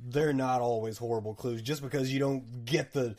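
A man's voice: mid-range voice, steady tone, moderate pace, darkish tone. A man hosting a casual podcast, running a quiz game and bickering over the answer. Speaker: podcast host and quiz moderator. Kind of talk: casual chat.

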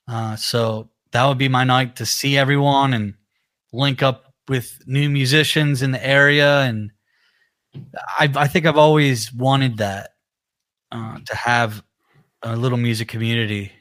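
A man's voice: mid-range voice, steady tone, measured pace, fairly bright tone. A man with a nasal voice, a musician chatting casually on a live stream, rambling and laid-back with lots of fillers. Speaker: musician co-hosting a live chat. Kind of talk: casual chat.

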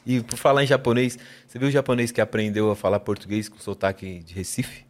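Low-pitched man, storyteller in a podcast, relaxed, quotes people. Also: fast. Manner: anecdotal, quotes others in little voices. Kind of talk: casual storytelling.

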